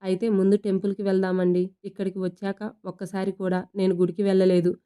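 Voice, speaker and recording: A woman voicing a shy, polite young wife still recovering her health, reading her lines softly in a storybook. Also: mid-range voice, completely flat delivery, fast talker, smooth, close to an everyday voice.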